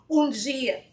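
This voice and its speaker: Woman speaker, high voice, chatty spiritual talk to a crowd, roomy hall, mic set back. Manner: chatty, often asks the audience "né?". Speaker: guest speaker at a spiritist fellowship. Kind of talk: informal spiritual talk to an audience. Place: lecture hall with a live audience. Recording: echoey hall, mic at a distance.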